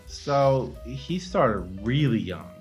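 A man's voice: medium pitch, big pitch swings, drawn-out words, poor audio. Man in casual chat, music behind. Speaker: podcast co-host. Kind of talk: casual comedy podcast chat.

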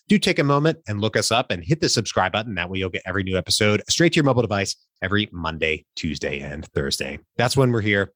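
A man's voice: low-pitched, a bit bright, no room sound, studio quality. A man hosting a podcast, reading an upbeat intro with a slightly congested, nasal voice. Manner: upbeat, salesy call-to-action delivery. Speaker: podcast host.

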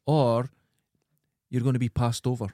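A man's voice: medium pitch, flat delivery, moderate pace, dark tone, no room sound, studio quality. A Scottish man co-hosting a podcast, chatting in casual comic banter. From Dundee, Scotland. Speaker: podcast co-host.

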